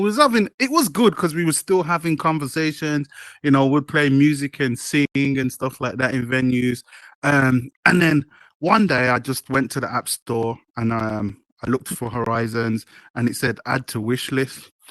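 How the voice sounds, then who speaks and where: Speaking at a moderate pace in a British accent, a man with a fairly high pitch is heard in a dry, close sound with no echo. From UK. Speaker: virtual world builder and event host. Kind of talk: casual interview chat.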